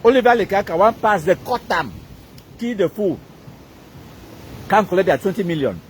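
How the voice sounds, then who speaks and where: A man's voice: high-pitched, very animated, moderate pace, slight background noise. A Cameroonian man with a Cameroonian accent, giving an emphatic, repetitive live-stream rant that mixes pidgin and English.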